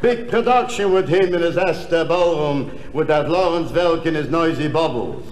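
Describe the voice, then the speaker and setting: An actor playing a gruff, competitive Jewish husband with slow, emphatic timing in a 1960s comedy album sketch. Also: male voice, on the high side, lively intonation, natural voice. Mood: indignant, boastful. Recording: reverberant, hissy 1960s live comedy record.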